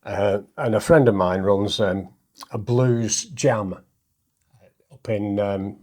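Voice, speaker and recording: Low-voiced middle-aged northern English man. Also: slow, darkish tone. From northern England. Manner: self-deprecating, chuckling. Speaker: interview guest, poet and comedian. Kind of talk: casual interview chat with poetry recital.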